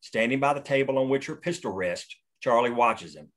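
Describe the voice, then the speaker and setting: A man reading screenplay stage directions at a table read in a steady, matter-of-fact way. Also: medium pitch, normal speed. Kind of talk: reading screenplay action lines.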